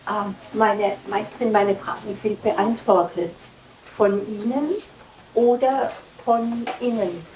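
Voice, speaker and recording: A woman's voice: mid-range voice, slow, darkish tone. Hesitant woman speaking in an echoey room. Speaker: audience member. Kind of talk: hesitant personal sharing at a microphone. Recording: echoey room with background noise.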